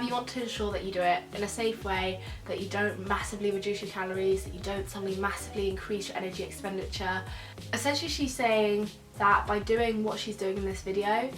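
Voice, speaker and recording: Stuffed up and croaky, a young woman who studies nutrition reacts to videos and explains them chattily to camera, dropping fillers like "so" and "yeah". She speaks briskly at medium pitch with fairly even intonation, recorded from afar in an echoey room, a bit off-mic, soft music playing.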